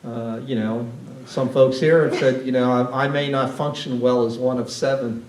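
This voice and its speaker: An older man, a retired downtown development president, speaking on a panel in a library event room, halting with many restarts and repeated words. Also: medium pitch, steady tone. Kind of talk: panel discussion answering questions. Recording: roomy, distant mic, faint hiss.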